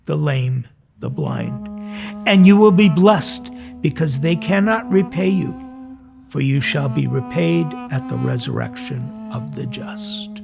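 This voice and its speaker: A man's voice: fairly high pitch, gravelly. A man in his sixties, a priest hosting a religious program, gives a conversational sermon through earnest, informal personal storytelling.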